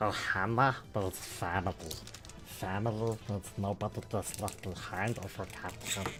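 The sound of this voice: With clear background noise behind him, a man puts on a character voice and keeps a moderate pace. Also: fairly low pitch for a man.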